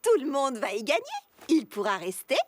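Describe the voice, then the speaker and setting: Casting: friendly, forgiving young cartoon girl. Very animated, high, earnest and encouraging. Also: brisk, a little hiss or hum. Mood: excited. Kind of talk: animated children's series dub.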